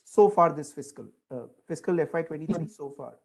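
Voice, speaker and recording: A man's voice: on the high side, a little fast. A man asking detailed questions as an analyst on an earnings call, polite and hesitant.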